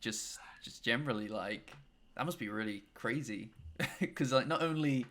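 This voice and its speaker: A man's voice: mid-range voice, moderate pace, a bit bright. A young man hosting an interview, asking long rambling questions full of fillers and laughs. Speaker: interviewer host. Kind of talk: casual interview chat.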